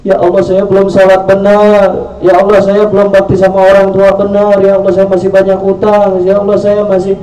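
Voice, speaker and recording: A man's voice: high voice, monotone, moderate pace, few pauses, dark tone, muffled recording, pitched above the performer's own voice, lightly acted. Man doing a pleading dead soul. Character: newly dead man, panicked and regretful. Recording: echoey room, mic far off.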